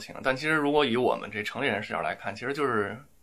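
A man talks at a very fast pace in a medium pitch. Noticeable background noise sits behind him. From Beijing. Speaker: documentary director and PhD student. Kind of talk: casual chat.

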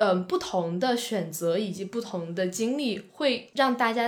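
Ordinary pitch variation in a normal speaking voice at a fairly slow pace. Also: woman. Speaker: university student. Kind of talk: casual chat.

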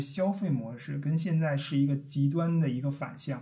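A man with a fairly high pitch and a dark, mellow tone sounds somewhat breathy. His pitch varies in an ordinary way, and there is audible room echo. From Beijing, raised abroad from age 12. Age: 30s. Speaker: early retiree. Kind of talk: interview conversation.

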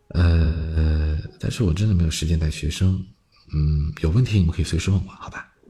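The tone is dark, mellow and somewhat breathy. Intonation stays fairly even. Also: man, very deep, low pitch for a man, moderate pace. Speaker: radio DJ hosting live audio stream. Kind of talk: casual live-stream chat. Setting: live audio stream.

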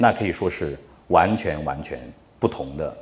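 Speech with vocal fry comes at a moderate pace, with audible room echo. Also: man. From Yunnan, China (Kunming). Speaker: TV news host giving a public talk. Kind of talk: public talk. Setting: stage with audience.

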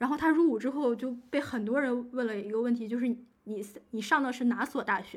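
Her voice sits high for a woman, and she talks at a fairly quick pace with fairly even intonation. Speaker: podcast host. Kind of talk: casual chat.

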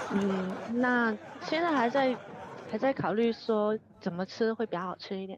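Against crowd noise, a woman with a Cantonese accent speaks at a moderate pace and fairly high pitch, with ordinary pitch variation and long, frequent pauses. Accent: Cantonese-accented Mandarin, noticeable. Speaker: caller, sales worker. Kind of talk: casual chat. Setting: live-stream call-in.

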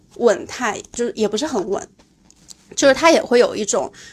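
High-pitched, lively intonation from a woman, delivered rather slowly. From Jilin, northeast China. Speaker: listener. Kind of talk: casual chat. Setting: live audience event.

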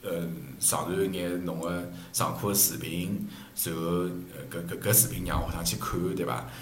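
With noticeable background noise behind him, a man speaks at a fairly slow pace in a very deep, low pitch. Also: ordinary pitch variation. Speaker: Chinese teacher and linguistics researcher. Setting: online audio room.

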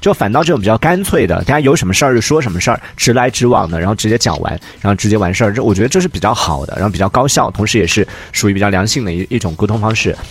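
Amid noticeable background noise, a fairly low-pitched man races along at a very fast pace with very wide pitch swings. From Yunnan, China. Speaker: podcast co-host. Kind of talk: casual chat.

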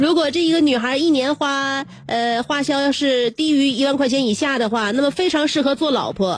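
A woman with high pitch, ordinary pitch variation and very even loudness at a moderate pace, hardly any pauses, noticeable background noise. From Northeast China. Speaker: radio host. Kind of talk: casual radio monologue. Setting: radio studio.

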